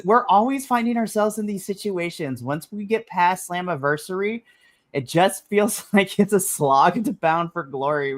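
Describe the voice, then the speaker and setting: Chatty cohost on a wrestling stream, laughing through stuff, voice not high not low. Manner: laughing often, trailing off, chatty. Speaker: podcast co-host. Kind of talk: casual wrestling podcast chat. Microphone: remote streaming call.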